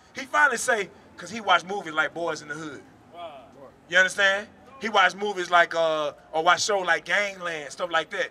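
A man shouting at a high pitch and fairly quick pace, with big swings in loudness, ordinary pitch variation and light background noise. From Jackson, Mississippi; Mississippi. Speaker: street preacher. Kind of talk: street preaching. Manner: loud, yelling. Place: street. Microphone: handheld.

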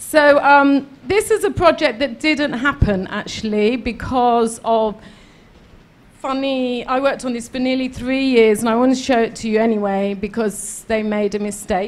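A woman's high voice in a London accent, with ordinary pitch variation at a moderate pace. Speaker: graphic designer; guest. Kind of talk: conference talk. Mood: warm, anecdotal. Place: hall. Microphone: handheld.

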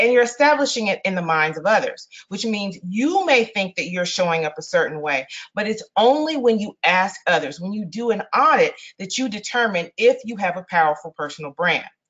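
Enthusiastic and energetic, a woman talks at a fairly quick pace with very wide pitch swings. The background is quiet. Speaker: career development speaker at webinar. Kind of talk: motivational, conversational. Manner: enthusiastic, energetic. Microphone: webcam.

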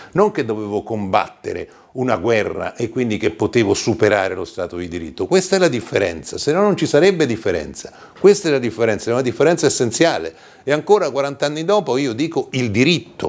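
A man talks at a fairly quick pace and medium pitch. His pitch swings very widely. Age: 60s. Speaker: journalist. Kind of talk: video editorial. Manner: halting. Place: office.

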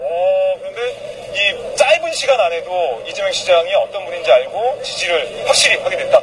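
A man speaks at a moderate pace. Loud background noise surrounds him. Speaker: reporter. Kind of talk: street interview questions. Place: stadium. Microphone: handheld.

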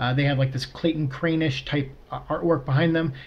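This man talks at a very fast pace, his voice somewhat breathy. His intonation stays fairly even. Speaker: vlog host. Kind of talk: casual vlog commentary on toy images. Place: home room.

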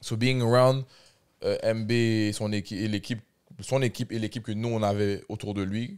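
Over a quiet background, a man talks at a fairly slow pace with fairly even intonation. He takes long, frequent pauses. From Montreal, Côte-des-Neiges. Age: 20s. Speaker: rapper. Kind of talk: casual chat. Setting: studio. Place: studio. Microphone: studio mic.

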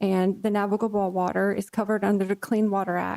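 A soft-spoken woman with a North Carolina accent, medium pitch, monotone, flat intonation and a dark, mellow tone, in a dry, close sound with no echo. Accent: US Southern (North Carolina). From North Carolina (Stanly County). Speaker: wetland scientist speaking at public hearing. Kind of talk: public comment at council meeting. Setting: city council meeting with microphone. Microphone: too far from microphone at first.

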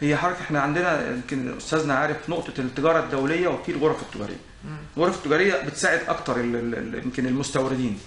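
A man with an Egyptian accent talks at a fairly quick pace with ordinary pitch variation. Light background noise and audible room echo are present. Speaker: e-commerce and marketing expert; guest. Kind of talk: TV panel discussion. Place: studio.

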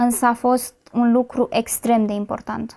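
Over a quiet background, the speech moves very slowly in a flat monotone. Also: woman. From Romania, Bucharest. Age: 20s. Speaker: addiction ministry worker; podcast guest. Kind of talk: testimony. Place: studio.

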